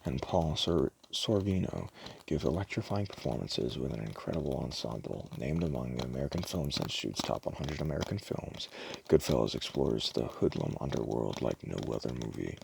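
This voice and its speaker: A man doing a casual, rambling ASMR roleplay, talking hesitantly and stumbling as he reads things out, in a very deep, gravelly voice. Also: animated, normal speed, a little mellow, slight background noise. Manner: casual, hesitant, stumbles over words and self-corrects. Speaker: ASMR roleplay performer playing a DVD store clerk.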